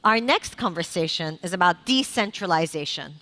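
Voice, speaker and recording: A woman's voice: on the low side, lively intonation, normal speed, bright, forceful tone. A woman moderating a conference panel, speaking fluently and framing the discussion. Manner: fluent, composed, introduces and frames topics. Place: conference stage.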